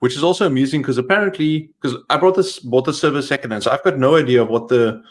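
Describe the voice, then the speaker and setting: A man's voice: medium pitch, fast talker. A man co-hosting a casual tech stream, telling anecdotes in a rambling way and often interrupting himself. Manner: rambling, self-interrupting storytelling. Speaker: live stream co-host.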